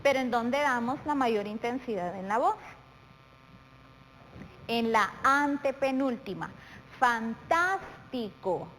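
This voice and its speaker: A woman's voice: a little high, a bit bright. Patient woman teaching children. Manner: patient and deliberate, drawing out words syllable by syllable. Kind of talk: televised primary-school lesson. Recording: faint reverb and light background noise.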